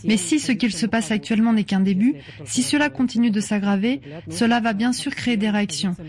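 A woman reading a local resident's translated comments in a calm, matter-of-fact way. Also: on the high side, a little fast.

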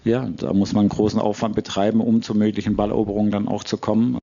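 Flat-voiced man explaining football tactics. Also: lowish voice, fast talker, creaky. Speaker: football coach. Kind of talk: interview soundbite. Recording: dull audio with faint noise.

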